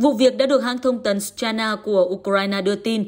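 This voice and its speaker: With an ordinary speaking voice, a woman talks at a fairly high pitch with lively intonation. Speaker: news presenter. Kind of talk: news reading.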